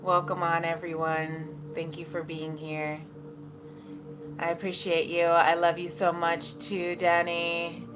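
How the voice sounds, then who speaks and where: Lowish voiced lady doing mystical healer talk, super slow n gentle, lots of pauses, music behind her. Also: monotone. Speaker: spiritual livestream host. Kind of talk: slow guided spiritual meditation talk and card reading.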